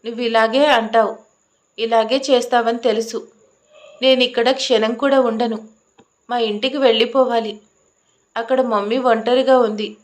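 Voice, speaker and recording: A woman plays a defiant young heroine in a storybook romance, indignant and argumentative, firing back questions. The voice sits somewhat high and keeps her combative edge. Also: fairly even intonation, normal speed, pauses often, natural voice. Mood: indignant, angry.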